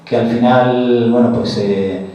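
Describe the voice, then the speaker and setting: Male composer at a public presentation, halting delivery with many fillers, mellow tone, far mic in an echoey hall. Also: mid-range voice, fairly even intonation. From Spain. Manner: hesitant, many fillers and restarts. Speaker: composer presenting a festival commission.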